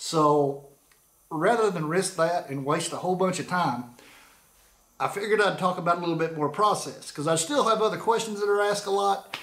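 Amid light background noise and audible room echo, a man with a high pitch talks at a fairly quick pace with ordinary pitch variation. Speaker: channel host. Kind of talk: casual vlog chat. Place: workshop. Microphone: phone near.

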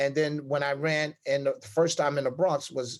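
A man with a fairly high pitch speaks at a moderate pace. His intonation is fairly even, and the recording is very clean with a silent background. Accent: New York. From New York City (Harlem). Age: 50s. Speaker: city council candidate. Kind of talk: political debate. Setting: virtual town hall. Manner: halting, repeats words.

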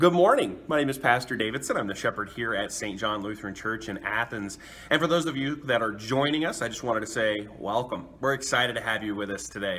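A man at a very fast pace with hardly any pauses. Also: ordinary pitch variation. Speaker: pastor. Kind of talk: welcome announcements, then prayer. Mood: warm, upbeat. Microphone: phone near.

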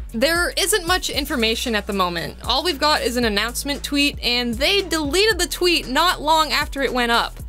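A woman's high, raised and projected voice with very wide pitch swings, very even loudness, a moderate pace and hardly any pauses, music playing in the background. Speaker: voiceover narrator. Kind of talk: news update narration.

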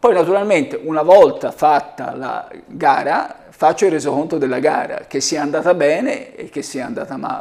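Speaking at a moderate pace with hardly any pauses, a man with a high voice makes very wide pitch swings and big swings in loudness. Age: 50s. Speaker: rally driver and co-driver. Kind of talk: studio discussion. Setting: TV studio.

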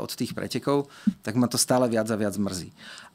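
The man talks at a moderate pace. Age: 40s. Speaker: ultramarathon runner; guest. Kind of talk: interview. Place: studio. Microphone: studio mic.

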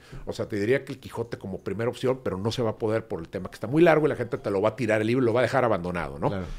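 Lively intonation carries this man's speech. He rattles along very fast. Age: 50s. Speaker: chef; guest. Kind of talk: casual chat. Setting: restaurant. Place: cafe. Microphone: studio mic.

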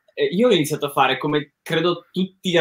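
A man speaks against a quiet background. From Italy, Turin; Italy. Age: 20s. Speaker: musician and music therapist; guest. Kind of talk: interview conversation. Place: home room. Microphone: webcam.

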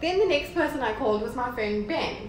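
A woman with a high voice is heard over light background noise and audible room echo. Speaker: speaker. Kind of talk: speech telling a personal story. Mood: warm, humorous. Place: hall. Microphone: podium.

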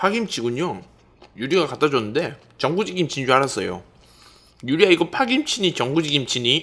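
Moving at a fairly quick pace, a man speaks with vocal fry and very wide pitch swings. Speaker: eating show streamer. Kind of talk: casual vlog chat. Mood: playful, chatty. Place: home room.

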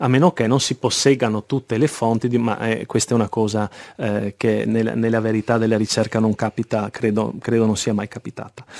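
Monotone, flat delivery in a dry, close sound with no echo. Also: man, medium pitch for a man, fairly quick pace. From Muggia, near Trieste, Italy. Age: 40s. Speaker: historian. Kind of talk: radio interview. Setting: studio.

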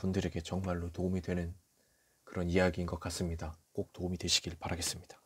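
A man with a very deep, low pitch speaks at a fairly quick pace, his voice somewhat breathy. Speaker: book reviewer. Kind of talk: monologue review.

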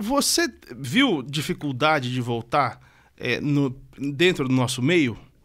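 Against a quiet background, a man speaks at a very slow pace with a fairly high pitch and ordinary pitch variation. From Brazil. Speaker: podcast host. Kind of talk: casual interview chat. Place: studio. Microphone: studio mic.

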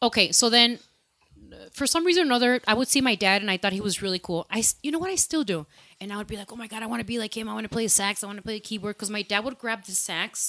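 Over a quiet background, a woman with an American accent talks very fast in a bright, sharp tone with lively intonation. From Chicago area, US. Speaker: musician. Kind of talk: casual chat. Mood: relaxed, candid, humorous. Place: studio. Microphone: studio mic.

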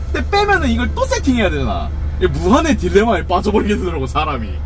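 Against clear music in the background, a man talks at a very fast pace. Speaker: car vlogger. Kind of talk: casual vlog chat. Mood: amused, self-deprecating. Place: car. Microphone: phone near.

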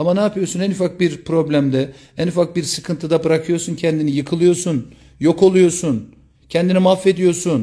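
A dark, mellow tone against a quiet background. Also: man, high pitch for a man, moderate pace. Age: 50s. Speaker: educator and self-help author; educator. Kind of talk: religious motivational talk on a live stream. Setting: live stream. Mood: warm, earnest, encouraging. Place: home room. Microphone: phone near.

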